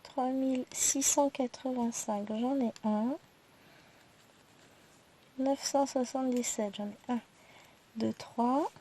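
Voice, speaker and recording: A woman with a stuffy nose, casually counting her thread skeins aloud in slow, quiet numbers and chatting in asides. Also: high-pitched, fairly even intonation, a little hiss or hum. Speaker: cross-stitch YouTuber.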